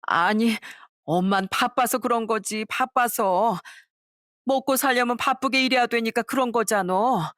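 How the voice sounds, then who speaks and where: A woman's voice: on the high side, unhurried, fairly bright tone, no room sound, studio quality, pitched above the performer's own voice. A woman playing a whining greedy mother-in-law. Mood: defiant. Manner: wailing, whiny.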